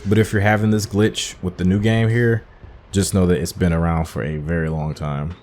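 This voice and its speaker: Low, dark-voiced man commentating a game. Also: level tone, moderate pace, a little hiss or hum. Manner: informal, thinking aloud. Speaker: gaming video host. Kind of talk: casual playthrough commentary.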